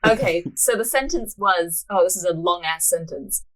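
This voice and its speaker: A woman's voice: fairly low pitch, normal speed, low-quality recording. A woman hosting a story podcast, moving between narration and casual banter. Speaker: podcast host, writer and narrator.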